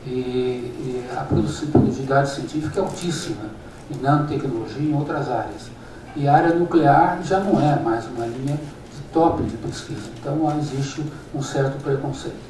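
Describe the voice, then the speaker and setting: Audible room echo and noticeable background noise surround the recording. A man with a fairly high pitch speaks at a moderate pace. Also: ordinary pitch variation. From Brazil, southern Minas Gerais. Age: 60s. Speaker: physicist, professor. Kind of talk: conference talk. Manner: halting, with fillers.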